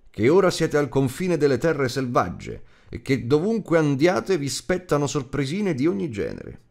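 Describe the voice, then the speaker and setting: A man voicing a stern, commanding old wizard in an audiobook, admonishing and teasing with emphatic delivery. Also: medium pitch. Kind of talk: audiobook character acting.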